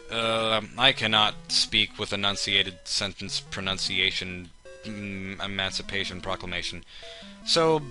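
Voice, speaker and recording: A man's voice: sits low, sharp tone. A man giving humorous commentary on a video game in a wry, sarcastic manner with exaggerated reactions. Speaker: let's play host.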